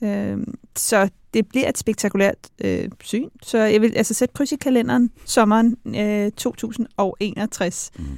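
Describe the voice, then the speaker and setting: With a very clean recording, a silent background and a dry, close sound with no echo, a woman speaks very slowly in a fairly high pitch with ordinary pitch variation. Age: 30s. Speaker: podcast host. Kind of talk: casual chat.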